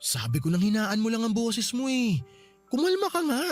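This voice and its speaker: A soft-hearted pleading husband. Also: male voice, very high voice, very animated, normal speed, faint music behind. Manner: pleading, defensive. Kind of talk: radio drama acting.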